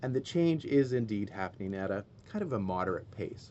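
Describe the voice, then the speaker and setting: The voice has a western Canadian accent. Its pitch variation is ordinary. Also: man. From Canada, Okanagan Valley, British Columbia. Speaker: online commentator. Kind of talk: explainer monologue.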